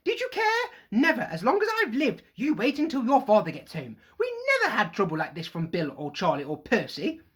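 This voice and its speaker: A teacher reading a children's novel aloud, voicing a short, plump, protective mother in a high, loud scolding voice. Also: big pitch swings, brisk. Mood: furious. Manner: shrill scolding, shouting.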